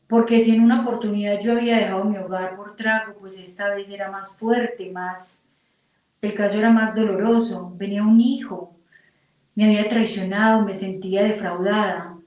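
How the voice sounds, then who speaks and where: A woman's voice: mid-range voice, fairly even intonation, normal speed, a little mellow. A middle-aged woman from Colombia telling her personal faith testimony in an earnest, emotional way. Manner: earnest, quotes her own prayers aloud. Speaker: testimony speaker. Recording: very echoey room, distant mic.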